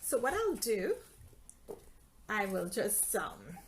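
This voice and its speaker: A woman's voice: medium pitch, wildly swooping pitch, takes it slowly, slight background noise, low-quality recording. A middle-aged woman from Trinidad and Tobago, an author chatting on a live stream about her books and reading her novel's introduction aloud. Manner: friendly, chatty, reads aloud from her book.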